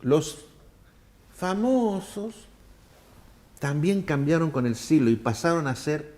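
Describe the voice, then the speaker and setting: An older man from Argentina, telling long animated anecdotes in an interview and acting out the people he quotes. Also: on the high side, slow. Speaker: world traveler telling his story. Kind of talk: storytelling interview answers.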